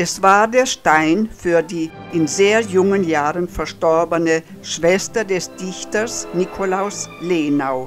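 Music plays in the background as a woman with a fairly low pitch talks at a very slow pace with lively intonation. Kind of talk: documentary narration.

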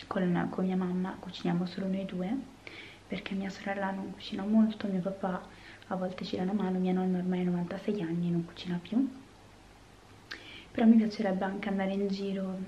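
Soft-spoken whispering at a fairly quick pace, broken by long, frequent pauses, over light background noise. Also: man. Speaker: ASMR creator. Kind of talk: ASMR whispering video for sleep, talking to camera. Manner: whispered, soft-spoken. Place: home room.

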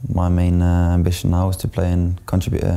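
The pitch of this man's voice is very deep and low. A dark, mellow tone colors it. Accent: Norwegian. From Norway. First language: Norwegian. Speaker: professional footballer. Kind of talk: interview. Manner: halting. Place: meeting room.

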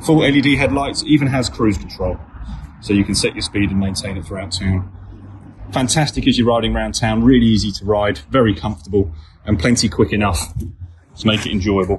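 A man talks at a fairly quick pace in an ordinary speaking voice, fairly low in pitch. His pitch varies in an ordinary way, and there is light background noise. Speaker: motorcycle dealership salesperson. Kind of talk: product walkthrough commentary. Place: street. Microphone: phone near.

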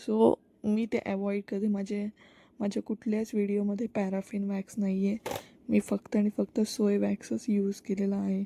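On a very clean recording with a silent background and a dry, close sound with no echo, a woman with medium pitch speaks in a dark, mellow tone with monotone, flat intonation. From Alibag, Maharashtra (Konkan coast). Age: 20s. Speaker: small business owner (handmade candles). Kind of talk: self-introduction voice-over.

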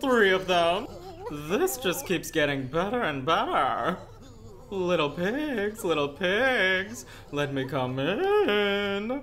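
Over clear background noise, a man does a high-pitched, put-on character voice at a very slow pace. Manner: sly, gleeful.

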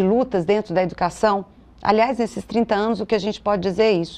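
A woman with a normal speaking voice talks at a fairly quick pace and a medium pitch, her intonation fairly even. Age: 50s. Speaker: political candidate and teacher; candidate, teacher. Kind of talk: political interview. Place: studio. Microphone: lapel.

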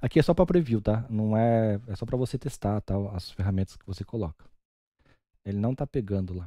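Recorded very cleanly with a silent background, a man with a dark, mellow tone shows big swings in loudness and ordinary pitch variation. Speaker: web design tutor. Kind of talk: screen-recorded tutorial. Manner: fast.

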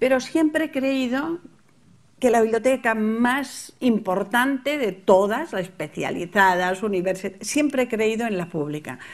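A woman speaks with a fairly high pitch and lively intonation. Her pace is fairly slow, and the background is quiet. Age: 60s. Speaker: foundation representative; speaker. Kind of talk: conference talk. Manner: halting. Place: hall.

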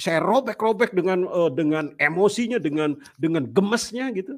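Against a quiet background, a man speaks in a high voice. His pace is fairly slow and his intonation lively. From West Java (Sukabumi, Sundanese); West Java. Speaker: pastor and evangelist; pastor, evangelist. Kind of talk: testimony. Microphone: earbuds.

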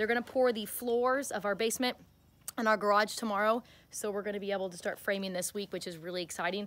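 A woman talks at a very fast pace, the sound dry with no echo. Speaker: home-building vlogger. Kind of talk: casual vlog chat. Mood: excited, upbeat. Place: open country. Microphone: phone near.

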